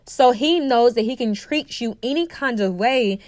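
Her voice is a little high and a little mellow, moving at normal speed in a dry, studio-quality recording. A podcast host and dating coach, she lectures emphatically through an opinionated solo monologue, repeating key phrases and sounding congested from a cold.

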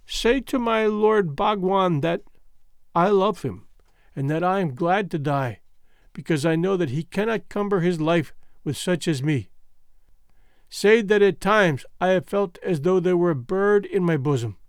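A man voicing a gentle, devoted young woman who is dying, speaking softly and tenderly. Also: high voice, lively intonation, a little slow, clear, resonant tone, no room sound, studio quality. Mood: tender, fading. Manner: soft, fading, tender.

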